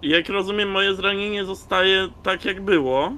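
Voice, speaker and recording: Male tabletop player, fairly high bright voice, hesitant, unhurried, casual. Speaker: player in a tabletop role-playing game. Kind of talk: casual narration of his character's actions.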